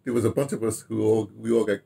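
An older man with an American accent, reminiscing casually to camera in a rambling, halting way, repeating words as he goes. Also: lowish voice, fairly even intonation, vocal fry, mellow, slightly rough. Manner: rambling, halting delivery, repeating words, checking notes aloud. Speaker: radio drama producer recalling past productions. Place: small book-lined room at home, indoors.

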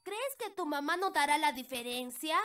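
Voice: high voice, lively intonation, normal speed, sharp tone, faint music behind. A performer voicing an eager, practical young elf boy in a children's cartoon, with a Latin American Spanish accent. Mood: earnest. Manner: childlike, matter-of-fact.

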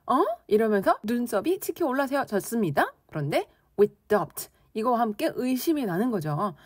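A slightly husky woman with a lively, bouncing pitch, teaching English conversation and playfully acting out angry reactions. Her voice sits a little high, recorded close and dry with no room sound. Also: moderate pace, no room sound. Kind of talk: explaining English expressions in Korean.

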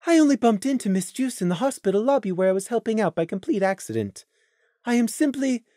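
A woman puts on a refined female unicorn from a fantasy story. Her voice is smooth and musical, with lively intonation. She speaks calmly, patiently and with humble earnestness. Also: on the high side, quick pace, no echo, clean studio sound, pitched above the performer's own voice. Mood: polite, hesitant.

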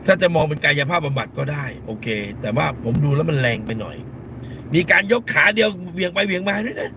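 A man's voice: on the high side, very animated, quick pace, background noise. A middle-aged man, a lawyer hosting a live stream, talks bluntly in casual commentary and scolds with crude slang, repeating phrases for emphasis.

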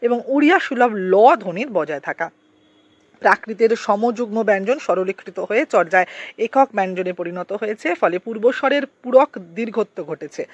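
A teacher working through exam-prep lecture notes, reading them out in a steady, methodical way and going through long lists of examples. The voice sits at a middling pitch. The recording is dull and lo-fi. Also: dry recording.

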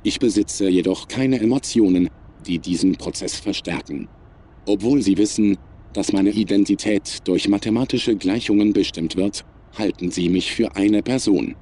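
Man playing a low, mellow, emotionless computer mind. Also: natural voice. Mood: cold, detached. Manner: measured, formal, emotionless. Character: sentient male artificial intelligence, coldly logical and superior. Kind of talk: science fiction audio drama acting.

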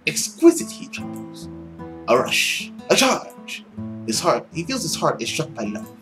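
A young man reading a visual novel aloud dramatically, with an expressive, theatrical manner. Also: fairly high pitch, measured pace. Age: young adult. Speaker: let's play host. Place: small indoor room at home. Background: music.

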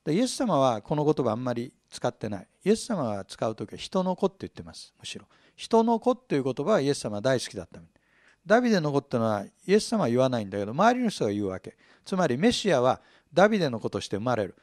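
Animated man preaching a Bible sermon. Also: medium pitch, quick pace, dry recording, studio quality. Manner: animated teaching, asks the audience questions. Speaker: pastor.

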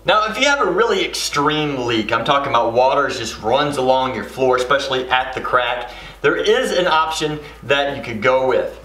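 On a low-quality recording, a middle-aged home improvement host explains practical steps to camera in a plain-spoken, instructional style. His medium-pitched, fairly bright voice has lively intonation and a normal speed.

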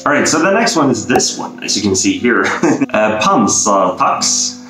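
A young man with a Swedish accent doing a casual quiz vlog, playful and laughing often as he sounds words out slowly, recorded on a webcam in a small bare room. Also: lowish voice, big pitch swings, bright, forceful tone. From Sweden. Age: young adult. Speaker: YouTuber. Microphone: webcam framing, head and shoulders. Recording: echoey bare room, faint guitar music.

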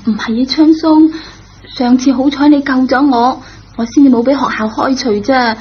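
A woman's voice: high-pitched, steady tone, normal speed, slight background noise, lightly acted. An actress playing an impulsive, remorseful, good-hearted schoolgirl in a radio drama, earnest and pleading. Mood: defensive. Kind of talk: Cantonese radio drama acting. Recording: dull, lo-fi old radio recording.

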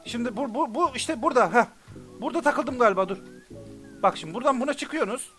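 A man giving let's play commentary, excitable and often frustrated and cursing. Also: very high voice, fast. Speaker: gamer. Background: game music.

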